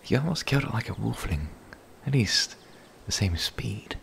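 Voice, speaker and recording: A man voicing a gentle, playful male werewolf in an ASMR roleplay, speaking softly and intimately, often in a whisper. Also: fairly low pitch, animated, a little hiss or hum, full character voice. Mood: curious, playful. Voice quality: husky, breathy, gravelly. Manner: soft, intimate, halting.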